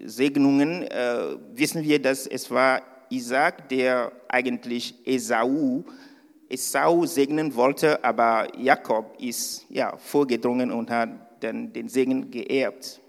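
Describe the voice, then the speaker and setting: A man's voice: mid-range voice, steady tone, slow, vocal fry, long reverb tail. A man preaching as a guest at a church service, a little nervous and hesitant, with frequent fillers and restarts. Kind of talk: sermon.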